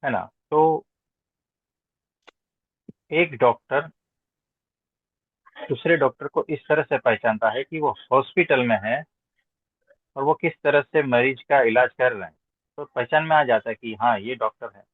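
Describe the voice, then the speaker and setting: A man plays the role of a spiritual teacher in an informal question-and-answer session, being didactic and leaning on emphatic repetition and rhetorical questions. His husky, mid-range voice is a little slow, with long pauses, and the audio is thin and phone-like with a roomy echo.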